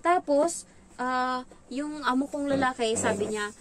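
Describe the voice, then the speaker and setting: A woman with a fairly high voice tells stories from her job as a domestic helper. She talks in a casual, chatty vlog way. She gets animated and acts out other people's lines. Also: unhurried, crowd noise. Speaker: domestic helper telling stories about her employers' child.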